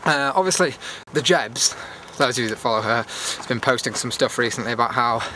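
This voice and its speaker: A British man hosts a casual vlog on foot in a bright, edgy voice. He talks in a chatty, meandering way, thinking aloud as he goes. The recording is made outdoors, with noticeable ambient noise behind him. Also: medium pitch, brisk, poor audio. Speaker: YouTube vlogger and host. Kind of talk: rambling casual walk-and-talk vlog. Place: outdoors on a cold evening walk. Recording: clear outdoor background noise.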